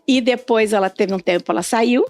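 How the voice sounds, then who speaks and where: High-voiced mature woman. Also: fairly quick, darkish tone, no echo, faint music behind. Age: middle-aged or older. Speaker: podcast guest, lawyer. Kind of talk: casual conversational interview, anecdotes.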